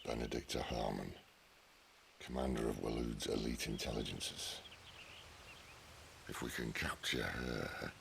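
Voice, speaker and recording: Worldly older-ish outlaw boss in a game, super deep gravel voice, wry n theatrical, bit of noise behind. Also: male voice, a little slow, pauses often, fairly bright tone, exaggerated voice. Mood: low, intent. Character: worldly, wry middle-aged male outlaw leader. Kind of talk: video game cutscene voice acting.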